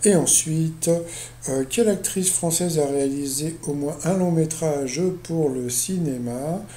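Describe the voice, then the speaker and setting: A man's voice: a little high, mellow, a little hiss or hum. Rambling man in an echoey room. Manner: rambling, with many fillers and restarts, chatty asides. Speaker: video blogger recapping a TV quiz show. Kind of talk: casual spoken recap.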